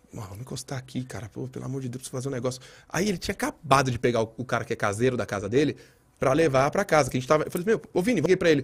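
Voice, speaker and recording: A man talks at a very fast pace with lively intonation, big swings in loudness, and a somewhat breathy quality. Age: 40s. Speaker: podcast guest. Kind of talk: casual storytelling in interview. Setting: studio. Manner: animated. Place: studio. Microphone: studio mic.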